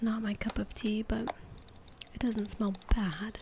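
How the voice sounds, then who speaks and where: A soft-spoken woman with an American accent, fairly high in pitch and fairly slow, over noticeable background noise. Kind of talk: ASMR video; casual talk to camera, ASMR-style.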